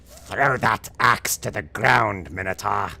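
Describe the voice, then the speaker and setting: A man's voice: on the low side, slow, vocal fry, pushed and bright, heavily acted. A man voicing a bossy, menacing hobgoblin swordsman with curt commands. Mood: commanding.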